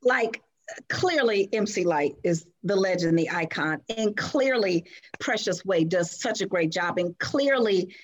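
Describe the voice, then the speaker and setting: A woman's voice: medium pitch, animated, unhurried. Effusive woman producer guest. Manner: effusive, gushing, many fillers. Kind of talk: casual interview chat.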